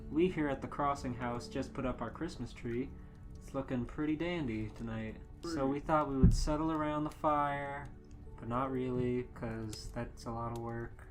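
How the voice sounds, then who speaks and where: A man's voice: mid-range voice, normal speed. A man hosting a comedic group podcast, talking in a playful, mock-grandiose way. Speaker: podcast host. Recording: music behind the voice. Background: music.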